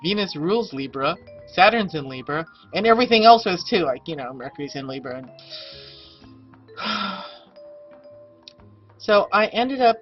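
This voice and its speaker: A woman's voice: lowish voice, animated, measured pace, long pauses. A woman in her fifties, an astrologer, chatting through a rambling personal update with many fillers. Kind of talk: casual personal vlog update. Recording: dull lo-fi webcam audio, faint music.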